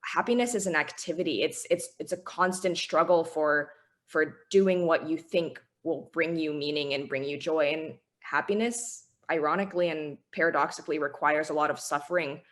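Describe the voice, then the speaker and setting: A woman in her twenties, a guest author whose first language is Chinese, takes part in an interview conversation. Her voice is low and her speed normal. She comes across as earnest and reflective, with small laughs here and there.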